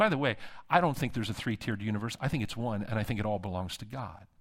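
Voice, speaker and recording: A male voice with an American accent. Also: very clean recording, silent background. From Western Pennsylvania, Pittsburgh. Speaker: seminary dean and preacher. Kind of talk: sermon. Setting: stage with audience.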